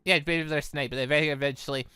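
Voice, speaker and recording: A game streamer giving enthusiastic commentary and reading a visual novel aloud, quick to laugh. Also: medium pitch, steady tone, bright, forceful tone, clean tone, no echo. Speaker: video game playthrough host. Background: music.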